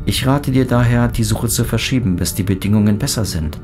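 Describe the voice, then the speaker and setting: An actor playing a calm, analytical, caring ship computer in a German sci-fi audio drama, with formal, precise phrasing. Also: male voice, on the low side, fairly quick, over music, close to an everyday voice.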